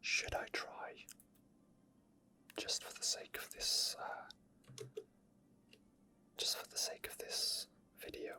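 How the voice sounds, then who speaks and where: The speaker, who makes gaming ASMR videos, thinks aloud in a breathy whisper. The gameplay commentary is improvised and soft, taken at a leisurely pace.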